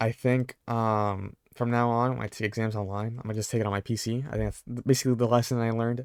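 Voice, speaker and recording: A man at a moderate pace, monotone and flat in intonation, in a dry, close recording with no echo and a silent, very clean background. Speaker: streamer and vlogger; college student. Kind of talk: casual monologue vlog. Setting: home recording at night. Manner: quiet, low energy.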